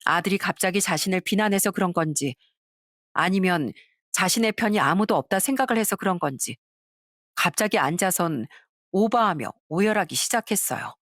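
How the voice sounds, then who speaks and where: A woman's voice: lowish voice, expressive, moderate pace, a bit bright, no room sound, studio quality. A woman narrating a first-person family story in a conversational storytelling manner.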